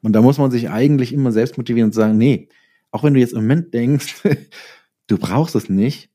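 A man's voice: medium pitch, fairly quick, mellow. A middle-aged man talking casually as an interview guest, explaining things reflectively and often voicing his own thoughts as quotes. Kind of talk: casual conversational interview talk.

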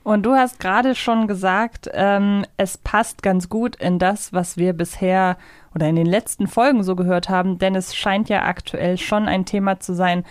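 A woman's voice: medium pitch, steady tone, moderate pace, no echo, studio quality. A woman hosting a podcast in a conversational way. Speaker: podcast host.

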